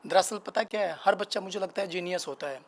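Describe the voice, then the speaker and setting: A man speaking as a guest's father, explaining his views in a measured way. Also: high voice, a little hiss or hum. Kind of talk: casual interview answers.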